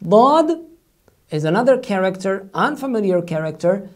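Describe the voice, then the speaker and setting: A male language teacher who speaks at a very slow, unhurried pace, giving a recorded online lesson. His pitch rises and falls a great deal as he explains. He repeats each sound deliberately to demonstrate it. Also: big pitch swings, darkish tone. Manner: patient, explanatory.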